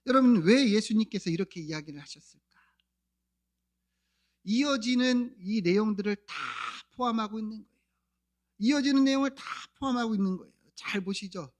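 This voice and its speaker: A man with a high voice delivers a sermon as a pastor. He speaks straight to the congregation, asks rhetorical questions, and acts out pleading cries with growing force. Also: fairly quick, pauses often. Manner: dramatic retelling, voicing cries with rising intensity; addresses congregation directly, frequent rhetorical questions.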